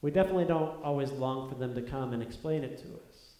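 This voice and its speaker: A man's voice: medium pitch, quick pace, dark tone. Earnest man preaching in an echoey hall. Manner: earnest, building to emphatic peaks with repeated phrases. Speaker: pastor. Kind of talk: sermon. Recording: echoey room.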